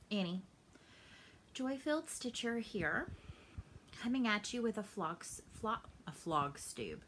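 Woman, late thirties, bright voice, chatty, rambling, home vlog, camera mic. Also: mid-range voice, slight background noise. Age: 30s. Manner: chatty, rambling, animated hand gestures. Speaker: cross-stitch vlogger. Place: small home room, seated in armchair. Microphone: camera in front, upper-body framing.

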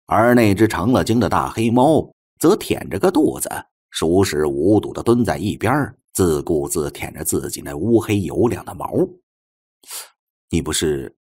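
A man narrates a novel in a very low, husky voice. His storytelling swings widely in pitch, giving the scripted prose a highly animated delivery. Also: normal speed, few pauses. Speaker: audiobook narrator.

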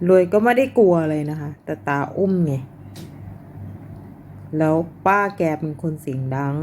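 A woman's voice: on the low side, warm tone, slight background noise. A woman chatting casually while filming her pet cat, laughing often and talking to the cat between stories. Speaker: cat owner vlogger.

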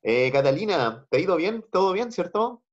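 Over a video call, a man from Chile patiently teaches an English class, alternating Spanish and English and repeating phrases in his Chilean Spanish accent. He sounds high-pitched and very animated at a normal speed, captured by a computer mic in dull, lo-fi call quality.

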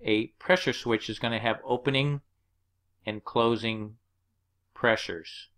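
A man's voice: mid-range voice, fairly even intonation, a little slow, fairly bright tone. A man teaching an HVAC course over slides, walking through the numbers one step at a time. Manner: plain, explanatory, walks through numbers step by step. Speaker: HVAC instructor.

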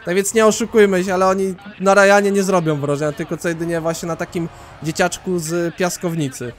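A man from Poland hosting a let's play, rambling excitably and swearing casually as he plays. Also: sits high, brisk.

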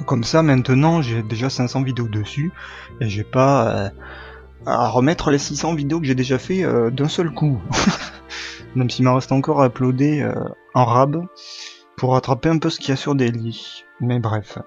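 A man's voice: mid-range voice, moderate pace. A man chats casually as a gaming channel host, rambling along with plenty of filler and self-corrections in a mid-range voice. The recording is somewhat dull and lo-fi, with faint music in the background. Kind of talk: casual chat to camera.

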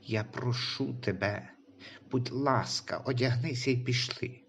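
A man's voice: mid-range voice, unhurried, slight background noise, close to an everyday voice. A man voicing a childless wife who insists urgently in a Christian audio story.

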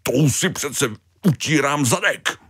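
A man's voice: mid-range voice, a bit bright, breathy edge, no echo, studio quality, pitched above the performer's own voice. A man voicing a grumpy, touchy starfish who complains and bosses others around, in a storybook reading. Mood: protesting. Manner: complaining, bossy, whiny.

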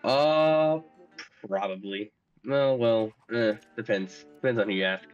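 A man's voice: on the low side, expressive, a little slow. Young man, game coach, rambling explainer, muffled voice chat, faint music. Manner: talks in loose filler-heavy explaining. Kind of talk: casual coaching over voice chat.

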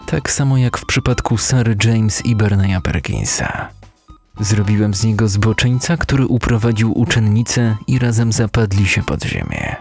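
A man narrating a dark first-person story as a dramatic, brooding audiobook reader. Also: fairly low pitch, moderate pace, faint music behind. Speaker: narrator (lektor).

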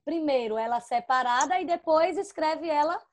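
A high-pitched woman runs an online class for small children. She talks into her computer microphone with patient, coaxing warmth. She keeps checking in and spells out syllables slowly. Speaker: first-grade teacher. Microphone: computer microphone, with headphones.

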